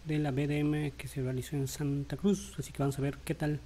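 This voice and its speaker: Man, casual reaction commentary, halting, mellow, faint ambience. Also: on the high side, little pitch movement, slight background noise. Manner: halting, with frequent tag questions. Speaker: vlogger reacting to rap battle.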